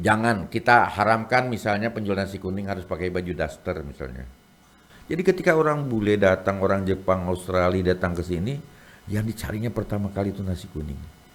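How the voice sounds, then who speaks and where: A man's animated voice, fairly low in pitch, at a very fast pace. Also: ordinary pitch variation. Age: 60s. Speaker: cultural figure. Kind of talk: podcast interview. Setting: studio.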